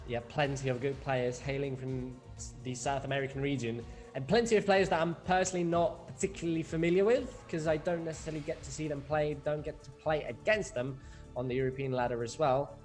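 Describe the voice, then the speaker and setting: A man co-commentating an esports match, measured and analytical, with frequent "you know" fillers. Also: on the high side, fairly even intonation, a little mellow, faint music behind. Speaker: esports co-caster. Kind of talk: live game commentary.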